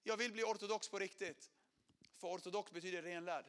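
Man preaching a testimony, high voice, animated, loud then hushed, live church. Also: clean tone. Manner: animated storyteller, acting out quotes, swings from loud to hushed. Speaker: preacher telling his testimony. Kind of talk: sermon testimony.

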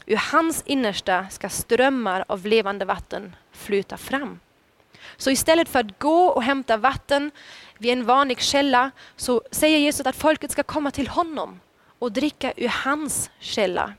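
A woman's voice: fairly high pitch, no echo. A woman preacher delivering a sermon, telling the story with dramatic rises when she quotes.

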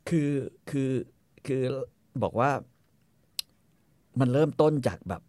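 A man's voice: mid-range voice, animated, takes it slowly, mellow, no room sound. A man casually retelling a story in a podcast chat, crude and full of fillers and repeats. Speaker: storyteller host.

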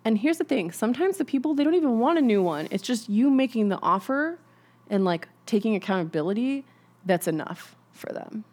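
A woman's voice: fairly high pitch, lively intonation, a little fast, a little mellow. A young woman hosting a podcast, explaining ideas in a chatty, candid way, laughing often and swearing for emphasis. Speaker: podcast host. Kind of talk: casual explanatory podcast talk.

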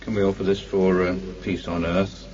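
A man leading a recited rosary prayer in a measured monotone, like a practised chant. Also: deep voice, slight background noise. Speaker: rosary leader. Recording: dull radio-like sound, group responses.

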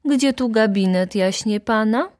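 A woman's voice: fairly high pitch, measured pace, a little mellow, no echo, studio quality, voice pushed up, natural voice. A woman voicing an insolent, pompous male valet who orders people about in a haughty, commanding way.

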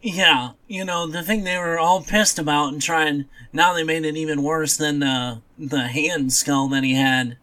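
A man's voice: a little high, steady tone, unhurried, few pauses, sharp tone. A man co-hosting a podcast in casual, blunt chat about comics, dismissive and given to offhand swearing. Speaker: podcast co-host.

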